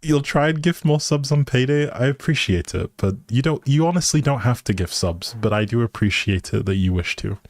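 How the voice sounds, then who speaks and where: During a casual livestream of a life simulation game, a man talks with his viewers courteously and thanks them, with music in the background. His mid-range voice is lively and a little mellow, at normal speed with few pauses. The sound is clean and studio-like, with no room sound.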